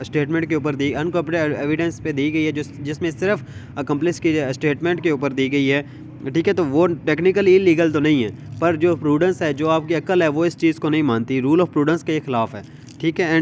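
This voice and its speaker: Higher-pitched Pakistani man lecturing from notes. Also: slight background noise. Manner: switches between Urdu and English, repeats check phrases. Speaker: law lecturer. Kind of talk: informal lecture, reading out notes and explaining them.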